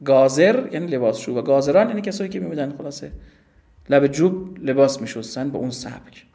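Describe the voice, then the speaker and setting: A man's voice: on the high side, lively intonation, dark tone. A man giving a lecture, explaining classical literature in everyday speech. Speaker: teacher of classical Persian literature.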